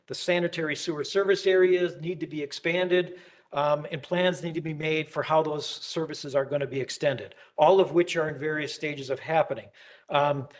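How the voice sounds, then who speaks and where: A man who is losing his voice gives a staff presentation at a public planning meeting, halting and full of ums and uhs. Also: a little high. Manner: halting, filler-heavy, with many ums and uhs.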